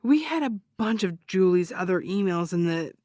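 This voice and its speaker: A woman's voice: on the low side, animated, moderate pace, darkish tone, no echo, clean studio sound, lightly acted. A woman playing a wry, theatrical podcast host who investigates a crime in an audio drama. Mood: eager.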